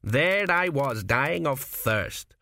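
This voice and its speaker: A man voicing a cynical, crude old ancestor ghost, a former swindler, with a slow, gruff drawl in an audiobook. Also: mid-range voice, animated, bright, forceful tone, no echo, voice pushed up, full character voice. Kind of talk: audiobook character voice.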